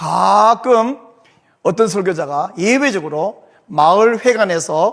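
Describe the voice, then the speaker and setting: High-pitched for a man, this voice carries lively intonation. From Gyeongsang province, South Korea. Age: 60s. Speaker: pastor. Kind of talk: lecture.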